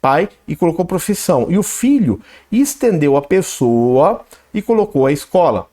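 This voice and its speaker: A man teaches programming in a screen-recorded coding lesson. He explains as he types and reads the output aloud, often adding a quick "né?". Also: a little high, very animated, dark tone. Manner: talks while typing code, reads output aloud, frequent "né?" and "ok?". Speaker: programming instructor.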